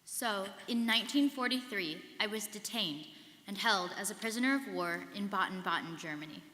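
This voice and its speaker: A young woman with a bright, mid-pitched voice plays a resolute alumna recounting her trials. She reads from a script, firm and measured, in a strongly echoing hall. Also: animated. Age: young adult. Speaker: student performer in a dramatic reading. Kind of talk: scripted first-person dramatic reading. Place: large hall. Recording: very echoey reverberant hall.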